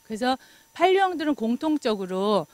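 Middle-aged lady giving a lecture, kinda high pitched, dry close sound, laughs a lot. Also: moderate pace, no room sound. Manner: animated, laughs often, acts out quoted remarks.

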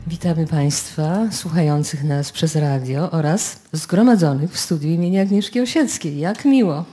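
A woman's voice: low voice, normal speed, warm tone, soft background music. A woman radio host introducing a live radio play from the stage to a studio audience.

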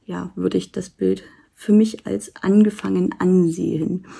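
A woman vlogger chatting casually while she does a diamond painting, rambling with many fillers and soft asides. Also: lowish voice, steady tone, slow pace, gravelly, slightly rough. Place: indoors at a table. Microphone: camera over the work table, hands seen.

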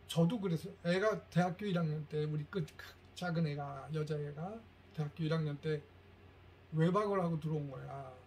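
A middle-aged man giving a lecture to parents, telling stories and acting out quoted lines with lively shifts. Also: a little high. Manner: animated storytelling, acts out quoted lines.

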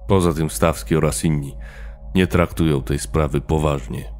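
A man's voice: rumbling low, fairly even intonation, moderate pace, darkish tone, slight background noise. A man doing a grim, shaken army warrant officer. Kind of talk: horror story reading.

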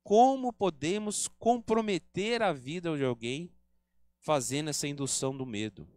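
A man lecturing earnestly on spiritism at a spiritist center, with a Brazilian Portuguese accent, teaches while acting out quoted remarks in this religious talk. His fairly high, darkish voice is expressive and moderately paced, captured in clean studio sound without room sound.

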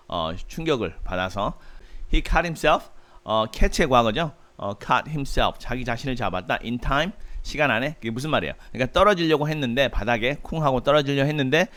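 Patient male tutor explaining slowly. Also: medium pitch, fairly bright tone. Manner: patient, explanatory, with frequent "uh" fillers; reads English phrases slowly and carefully. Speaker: English tutor. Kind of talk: book-reading lesson, reading English aloud and explaining in Korean.

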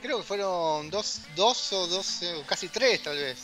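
A man with an Argentine Rioplatense accent co-hosting a podcast in relaxed, chatty talk full of asides. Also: high voice, measured pace, over music. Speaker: podcast co-host. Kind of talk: casual chat.

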